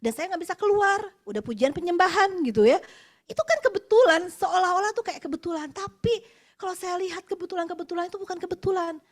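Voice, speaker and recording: Speaking in a very high voice at a quick pace, a woman in her forties from West Java, Indonesia, gives a personal testimony sermon at an office worship meeting. She comes across as chatty and expressive, mixing in English phrases and laughing between points.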